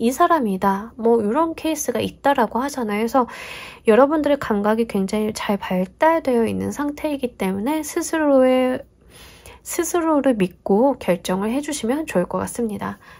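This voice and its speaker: A woman speaks loudly at a high pitch with lively intonation. The recording is very clean, with a silent background. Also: moderate pace. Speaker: tarot reader. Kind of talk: general tarot reading. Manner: tends to speak loudly for recording.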